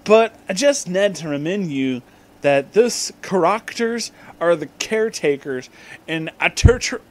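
High-pitched man, slow comedic reader. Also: expressive. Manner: mockingly reads misspellings exactly as written. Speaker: host reading fan fiction aloud. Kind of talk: comedic dramatic reading with amused asides.

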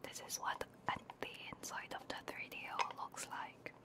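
A woman streaming ASMR, chatting casually in a soft, hushed, breathy whisper close to a binaural microphone while sick with a cold. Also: normal speed. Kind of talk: ASMR, casual livestream chat. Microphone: close binaural ear microphone.

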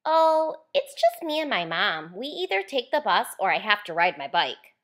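A woman's voice: mid-range voice, huge pitch swings, normal speed, fairly bright tone. A woman voicing a kind, easygoing young boy in a children's storybook, speaking in a friendly, earnest manner. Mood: matter-of-fact.

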